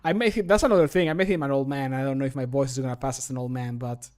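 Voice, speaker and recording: A man's voice: mid-range voice, rapid-fire, darkish tone. A man in his thirties chatting casually as a streamer, thinking aloud in a jokey, self-deprecating way. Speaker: streamer, game modder recording voice lines. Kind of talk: casual livestream chat. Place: small home room, indoors.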